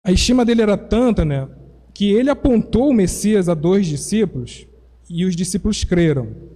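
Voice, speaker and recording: A man's voice: high voice, expressive, normal speed, dark tone. A man from Brazil, preaching a sermon and explaining things step by step in a teacherly way. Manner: explanatory, teacherly, with self-corrections. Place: church. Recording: long reverb of a church hall.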